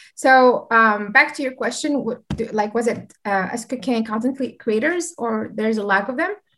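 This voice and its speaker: Fairly slow speech from a woman with an Algerian accent, fairly high in pitch, with ordinary pitch variation and a bright, sharp tone. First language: Algerian Arabic. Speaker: English teacher and content creator. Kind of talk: interview.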